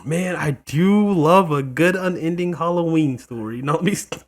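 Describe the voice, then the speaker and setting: A man's voice: a little high, unhurried. A man hosting a gaming video, giving casual, slangy playthrough commentary and often repeating himself.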